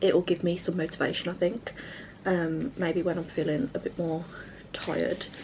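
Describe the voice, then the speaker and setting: Quiet and fairly low-pitched, a woman talks at a moderate pace with fairly even intonation. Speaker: booktuber. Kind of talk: reading vlog talk to camera. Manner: speaking quietly.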